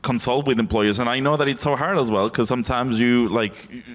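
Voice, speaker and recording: A man speaking on a conference panel, earnest and a little halting. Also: medium pitch, steady tone. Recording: long hall reverb.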